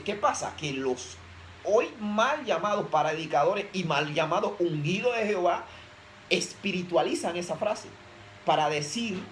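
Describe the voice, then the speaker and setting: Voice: mid-range voice, a little hiss or hum, rough recording. A preacher giving an emphatic sermon, often posing rhetorical questions to the audience.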